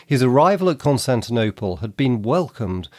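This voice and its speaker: A man with a croaky voice from a cold, hosting a podcast and reading history aloud in a measured, earnest way. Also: medium pitch, very animated, darkish tone, dry recording, clean studio sound. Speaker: podcast host.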